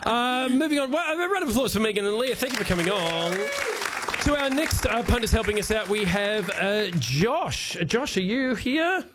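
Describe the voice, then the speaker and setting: A man's voice: high voice, sing-song, moderate pace, crowd noise, background noise. A man hosting a comedy quiz show, teasing his guests with a laugh. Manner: teasing, joking, often laughing.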